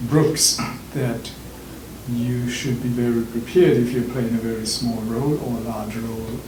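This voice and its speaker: Over noticeable background noise and audible room echo, a man speaks at a fairly slow pace with a medium pitch and fairly even intonation. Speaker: community theatre actor. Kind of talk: interview.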